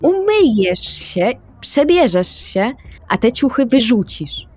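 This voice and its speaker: Brief: coaxing female vampire leader acted by a woman, highish voice, very animated intonation, teasing authority. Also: slow pace, full character voice.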